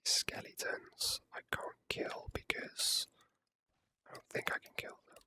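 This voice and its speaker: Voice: unhurried, bright, forceful tone. A person whispering hesitant, rambling ASMR commentary while playing a video game, close to the microphone.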